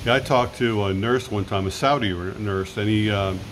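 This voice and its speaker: A middle-aged man in casual conversation, telling stories eagerly and agreeing readily, recorded in a room with a steady air-conditioner hum. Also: lowish voice. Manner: enthusiastic storyteller, quick and affirming. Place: room in the Philippines.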